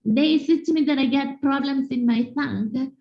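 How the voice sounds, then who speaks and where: Mexican lady teacher on a video call, gravelly, dull lo-fi sound. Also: sits high, normal speed. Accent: Mexican Spanish. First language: Spanish. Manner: animated, repetitive, addresses audience directly. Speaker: teacher giving a conference talk. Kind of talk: online conference talk. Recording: echoey room, dull lo-fi sound.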